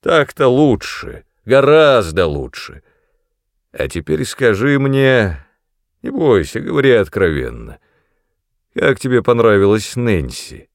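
A man voicing a brutal, drunken middle-aged father who mocks and threatens his son loudly. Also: on the high side, sing-song, measured pace, no room sound, clean studio sound, voice pushed up. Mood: mocking. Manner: mocking, menacing, loud.

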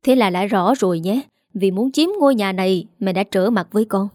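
A woman's voice: mid-range voice, a little fast, no echo, clean studio sound, close to an everyday voice. A woman doing a bitter, reproachful grown son. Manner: shouting and reproachful.

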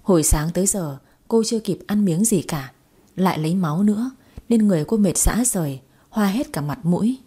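Brief: woman narrator, sorrowful dramatic storytelling, mellow and breathy. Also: medium pitch, lively intonation, a little fast. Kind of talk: scripted narration.

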